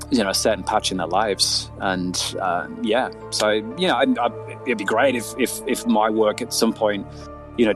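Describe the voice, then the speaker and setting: Low-voiced man, hesitant interview guest. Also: a bit bright. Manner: hesitant, self-effacing, repeats words. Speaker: interviewed guest, fiction writer. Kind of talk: casual interview chat.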